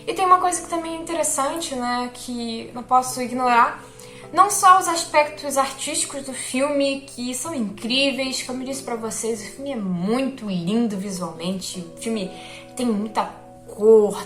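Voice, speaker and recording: A woman's voice: on the high side, fairly bright tone, reverberant. A young woman chatting casually about a film she liked, chatty and self-deprecating, often checking in with her viewers. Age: young adult. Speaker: film vlogger.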